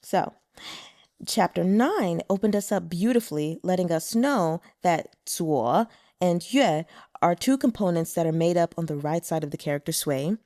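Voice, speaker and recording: A woman's voice: fairly low pitch, animated, normal speed, mellow, no room sound, studio quality. A woman giving casual, chatty commentary as an audiobook narrator, explaining Mandarin terms. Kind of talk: casual commentary between chapters.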